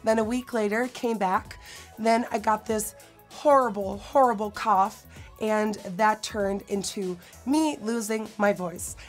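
A young woman with a hoarse, recovering voice and a Dutch accent, chatting dramatically through a makeup tutorial in a studio. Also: mid-range voice, steady tone, a little slow, soft background music. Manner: bubbly, dramatic, self-mocking. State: hoarse from illness. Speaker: beauty vlogger. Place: indoor studio set.

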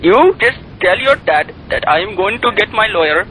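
A hot-tempered neighbor , played by a man, rants down the line in broken English, cursing freely. The voice sits high and swoops wildly. Its tone is sharp and very bright. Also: animated, normal speed, a little hiss or hum, low-quality recording. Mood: furious. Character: irate male neighbor phoning about his kicked dog. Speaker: prank caller.

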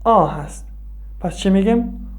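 A man from Afghanistan, a native Dari speaker, hosting a scripted language lesson and explaining patiently, asking questions and answering them himself. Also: sits high. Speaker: language teacher and host.

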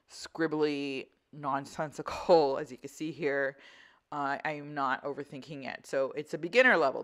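A woman instructor talking through an art tutorial in a casual, conversational, explanatory way. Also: low voice. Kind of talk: casual voice-over craft tutorial.

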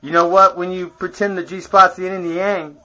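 A man's voice: sits high, flat delivery, normal speed, bright, forceful tone. A man in a rambling, profane rant to the camera, boastful and chuckling between phrases, on a dull lo-fi home video.

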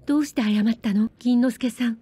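A woman voicing a spirited young girl in a samurai-era story, speaking high and pleading. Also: fairly even intonation, measured pace, a little mellow, dry recording, close to an everyday voice. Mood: indignant.

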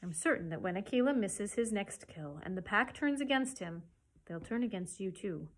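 Woman reading as a male black panther, storybook mentor, wise, protective, gentle, earnest, husky. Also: medium pitch, expressive, normal speed, natural voice. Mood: earnest, warning.

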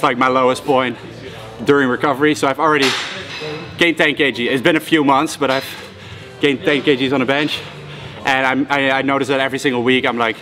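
A man talking casually while training in a gym, loose and relaxed, with lots of "like" and "you know", a little out of breath. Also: medium pitch. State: slightly out of breath. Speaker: fitness vlogger. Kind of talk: casual talk to camera. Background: music.

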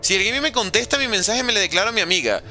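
Faint music sits behind a streamer whose high voice is animated, racing, pushed and bright. Playing a video game, he jokes around in slang and reads his chat aloud, replying to viewers in casual livestream commentary.

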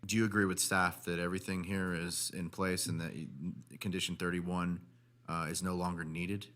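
A man speaking as a planning commissioner, making practical remarks and halting questions in an informal way. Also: deep voice, little pitch movement, a bit bright. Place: public meeting room.

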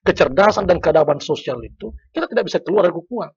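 A middle-aged man speaking as a guest sociologist in a small podcast studio, explaining in an earnest, lecturing way. His voice sits a little high and sounds husky, close and dry at a stand mic, with slightly dull sound. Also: expressive, fast talker, a little mellow, no echo. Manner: earnest, lecturing, breaks off to reframe points. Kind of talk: podcast discussion. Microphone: desk mic on stand.

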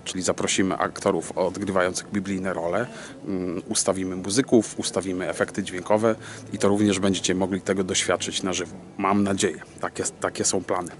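A man in his thirties hosting a casual vlog to camera, haltingly searching for words. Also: deep voice, flat delivery. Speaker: vlog host. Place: dim cinema auditorium. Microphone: camera at arm's length.

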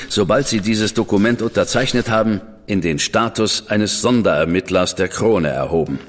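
Superior official, measured, menacing, low voice, husky, reverberant. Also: male voice, exaggerated voice. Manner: measured, superior, quietly threatening. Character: cool, arrogant high official, man, middle-aged. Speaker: government official recruiting an investigator. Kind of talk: radio play acting.

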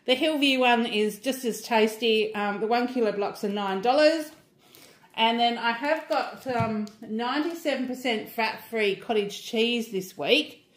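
A woman's voice: a little high, unhurried, reverberant. A middle-aged Australian woman chatting casually through a grocery haul, rambling with lots of ums. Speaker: vlogger.

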